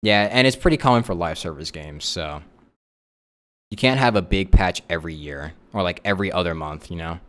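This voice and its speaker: A man's voice: low-pitched, fairly quick, fairly bright tone. A man streaming a casual live reaction, talking in a rambling way with lots of restarts and fillers.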